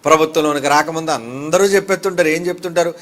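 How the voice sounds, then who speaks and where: A man's voice: fairly high pitch, fast talker, a bit bright. A middle-aged male pastor preaching a fiery sermon, firing rhetorical questions at his congregation.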